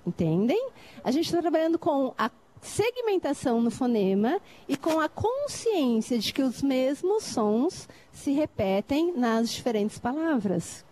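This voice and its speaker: A woman's voice: sits high, sing-song, a little slow, dark tone, a little hiss or hum. A middle-aged woman from Brazil on a debate panel, explaining literacy activities and often checking whether listeners follow. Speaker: lecturer on literacy teaching.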